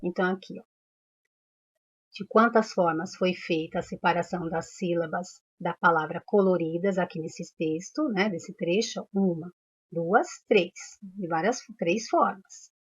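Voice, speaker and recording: A woman's voice: on the low side, measured pace, slightly rough, highs cut off. A woman teacher with a Brazilian Portuguese accent, patiently explaining a lesson step by step and checking if the class follows. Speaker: primary school teacher.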